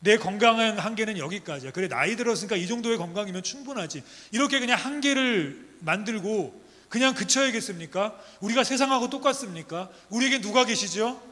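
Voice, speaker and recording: A man's voice: high voice, animated, brisk, sharp tone. A middle-aged male pastor preaching a sermon in a church, emphatic and full of rhetorical questions. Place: church sanctuary. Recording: long church hall reverb.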